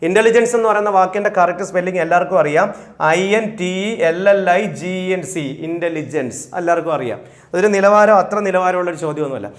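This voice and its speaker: High-voiced Malayali teacher, brisk. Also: male voice. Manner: reads English questions slowly, then explains quickly. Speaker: exam coaching teacher. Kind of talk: recorded exam-prep lesson.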